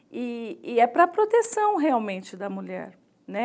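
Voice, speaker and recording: This woman's pitch is high. She speaks at a fairly slow speed. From Brazil, Barueri (São Paulo metro area); São Paulo, Brazil. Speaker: city councillor. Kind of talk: interview. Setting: studio. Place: studio. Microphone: lapel.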